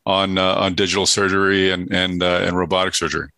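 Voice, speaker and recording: A man's voice: deep voice, flat delivery, quick pace, pushed and bright, no room sound. A man hosting a casual industry podcast, steering the talk with frequent fillers and restarts. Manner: conversational, many fillers and restarts. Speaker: podcast host.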